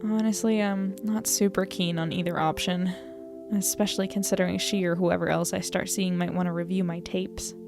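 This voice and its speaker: A woman's voice: fairly low pitch, level tone, moderate pace, gravelly, over music. A woman playing a wry, troubled young reporter in an audio drama, speaking with dry, understated sarcasm. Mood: weary, musing. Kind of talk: audio drama acting, diary-like monologue and dialogue.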